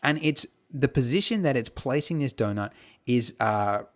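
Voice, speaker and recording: A man teaching a casual software tutorial over his screen, chatty and full of fillers and asides. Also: medium pitch, animated, moderate pace. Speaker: tutorial instructor.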